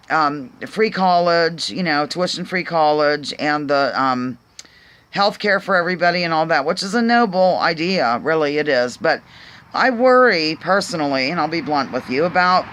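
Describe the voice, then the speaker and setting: A woman's voice: sits low, a bit bright, slight background noise. Rambling Pennsylvania woman vlogger. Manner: rambling, hesitant, many ums and restarts; earnest, questioning. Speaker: vlog host. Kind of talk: casual musing monologue to viewers.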